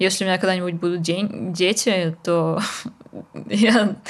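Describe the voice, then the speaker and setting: In an ordinary speaking voice of medium pitch, a woman talks at a fairly slow pace. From Russia, Bashkortostan. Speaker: beauty blogger. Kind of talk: interview.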